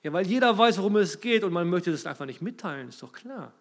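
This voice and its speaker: A man preaching a sermon, emphatic and rising and falling in loudness, speaking straight to his listeners. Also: sits high, lively intonation, quick pace.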